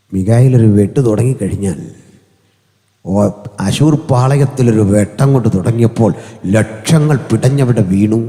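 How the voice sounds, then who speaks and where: Malayali pastor preaching in a reverberant hall. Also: male voice, dark tone. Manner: humorous, conversational preaching with sudden rises in pitch. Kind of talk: sermon. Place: large hall. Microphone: hand or stand mic through an amplifier.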